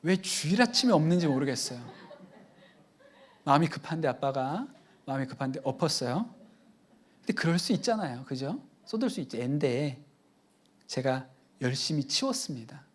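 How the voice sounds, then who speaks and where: Animated male pastor telling a story. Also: fairly high pitch, normal speed, pauses often. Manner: animated, chatty anecdotes with audience asides. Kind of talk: conversational sermon storytelling.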